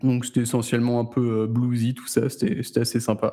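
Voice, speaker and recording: The voice has a dark, mellow tone at a moderate pace. The recording is very clean, with a silent background. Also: man. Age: 20s. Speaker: industrial draftsman and guitarist, podcast co-host. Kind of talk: casual chat.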